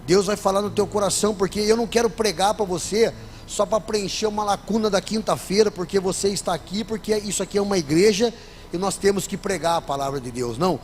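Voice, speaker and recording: A man's voice: sits high, fast, a little hiss or hum. A man with a Brazilian Portuguese accent preaching a sermon to his congregation in church, often asking them for an amen. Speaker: pastor. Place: church service.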